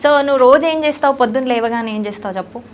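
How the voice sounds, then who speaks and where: A woman's voice: sits high, racing, slight background noise. A woman with a Telugu accent interviewing a young child in a playful, teasing, affectionate way. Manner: teasing, affectionate, animated questions.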